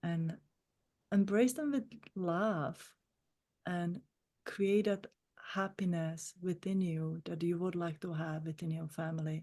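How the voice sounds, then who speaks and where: A woman with a Slovak accent speaks at a very slow pace, her tone dark and mellow and her pitch fairly low with ordinary variation. Long, frequent pauses break her speech against a quiet background. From Slovakia. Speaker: spiritual author. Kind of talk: podcast interview.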